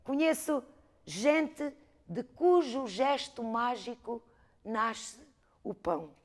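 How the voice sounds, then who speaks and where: A Portuguese woman in her fifties from the Algarve, an expressive storyteller talking about her life and craft, with an Algarve accent. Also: a little high, slow. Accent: European Portuguese, Algarve. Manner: expressive storyteller, rhythmic lists. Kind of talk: reflective interview talk.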